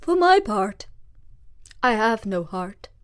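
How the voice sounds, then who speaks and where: A woman voicing a calm, reasoning male tin woodman with no heart in a storybook. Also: mid-range voice, slow pace, clear, resonant tone.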